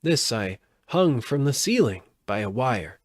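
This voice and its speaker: A man's voice: mid-range voice, very animated, a little slow, no room sound. A man reading a storybook aloud, voicing a meek, cowardly little old humbug wizard with a trembling, pleading voice. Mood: proud explaining.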